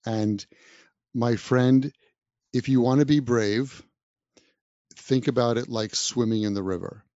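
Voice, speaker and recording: A man's voice: mid-range voice, slow pace, darkish tone, dry recording. A man who teaches English, giving encouraging podcast advice straight to the listener. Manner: encouraging, speaks directly to the listener. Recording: dull, dry, slightly lo-fi sound.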